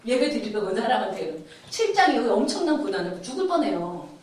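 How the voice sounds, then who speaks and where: A woman's voice: a little high, sing-song, fast talker, a little mellow, a little hiss or hum. A woman teaching a Bible study lecture, acting out the laments she quotes with sighs. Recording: very echoey room, mic far off.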